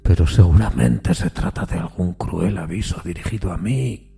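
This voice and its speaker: Man acting an anguished, husky, low-voiced railway signalman. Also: normal speed, faint music behind, exaggerated voice. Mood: anguished, fearful. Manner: troubled, pensive, hushed. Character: anguished railway signalman, haunted by a spectre, earnest and deferential. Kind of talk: dramatic audio fiction.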